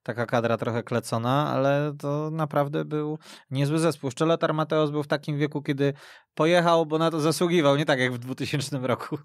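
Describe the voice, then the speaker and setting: A man's voice: on the high side, fairly even intonation, a little fast, no room sound. Male football host in a dry studio. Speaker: radio podcast host. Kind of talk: conversational football discussion. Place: radio studio.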